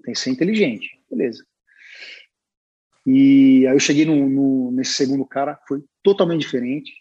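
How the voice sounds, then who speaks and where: A man with a Brazilian Portuguese accent, a guest illustrator telling a story in a chatty, animated way with lots of fillers. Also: medium pitch, moderate pace, slightly rough, muffled recording. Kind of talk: casual storytelling.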